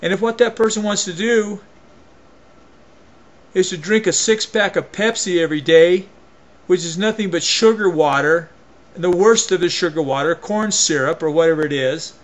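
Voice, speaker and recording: A man with a voice pitched a little higher than most men rants into the camera in a folksy, emphatic way. He keeps restarting and doubling back on his phrases as he talks. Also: moderate pace. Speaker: vlogger. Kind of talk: opinion rant to camera.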